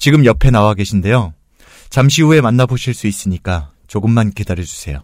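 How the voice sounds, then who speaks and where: A man with a plain, everyday voice talks at a fairly quick pace and a fairly low pitch. His intonation is lively. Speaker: podcast host. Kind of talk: casual chat. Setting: studio.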